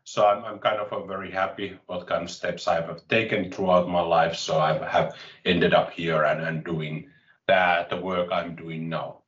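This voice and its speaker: A man in his late forties from Finland with a Finnish accent, chatting as an interview guest in a halting way, often restarting phrases, with wry self-mockery, heard over a video call. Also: low-pitched, flat delivery, fairly bright tone, reverberant, far from the mic, dull audio. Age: late 40s. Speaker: interview guest, tech consultant. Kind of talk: casual interview chat.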